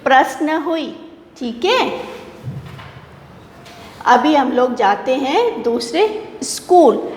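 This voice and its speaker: A woman teaching a children's Hindi lesson, spelling words out slowly and reciting a poem line by line. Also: high-pitched, sing-song, slight background noise. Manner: slow, spells words out syllable by syllable. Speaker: primary school Hindi teacher. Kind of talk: recorded online lesson for children. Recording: echoey roomy recording with long reverb.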